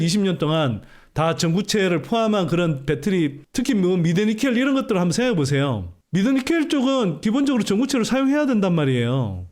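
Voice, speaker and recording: A man hosting an investment live stream talks in a fairly high voice that climbs and dips with lively swings. He explains his points patiently, poses rhetorical questions and answers them himself, and drives his view home by repeating key phrases. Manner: emphatic, leans on repeated phrases. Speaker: economics channel host.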